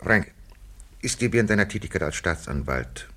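A grave, husky police captain. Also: male voice, deep voice, expressive, a bit bright. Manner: grave, insistent, measured. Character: stern male police captain confronting a friend. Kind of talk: old film drama acting.

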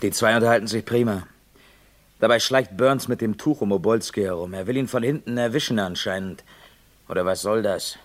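A man playing an excitable radio reporter. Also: on the low side, brisk, close to an everyday voice. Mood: urgent. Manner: breathless, excitable running commentary. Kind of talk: radio play acting.

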